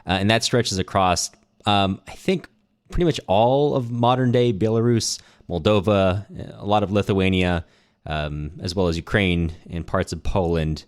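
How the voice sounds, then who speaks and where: A man's voice: low-pitched, measured pace, no room sound, studio quality. A man hosting a podcast, explaining background to literature in an unscripted, self-correcting way. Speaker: podcast host.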